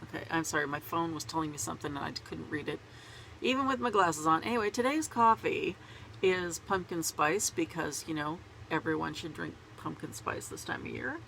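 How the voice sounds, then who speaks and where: A woman's voice: low-pitched, animated, moderate pace, gravelly, a bit bright, slight background noise, rough recording. A woman with a cold, congested and sore-throated, chatting in a rambling way to camera as a knitting vlogger from a small closet at home. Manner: rambling and chatty, laughs at herself. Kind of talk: casual chat to camera.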